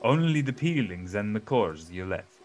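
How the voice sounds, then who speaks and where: A man voicing a kindly, patient old woodcarver father, speaking louder and higher than his narration, emphatic and a little scolding. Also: sing-song, normal speed, faint music behind. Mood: fatherly.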